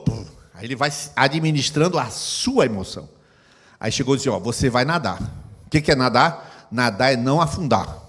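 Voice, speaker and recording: A man's voice: fairly high pitch, breathy edge. A middle-aged man preaching a sermon as pastor, acting out scenes with sound effects. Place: church hall. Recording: long hall reverb.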